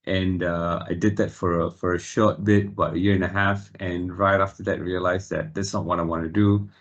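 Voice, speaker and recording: A man in his fifties from Singapore, answering interview questions in a measured, reflective way with frequent fillers. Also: sits low, little pitch movement, muffled recording. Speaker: guest.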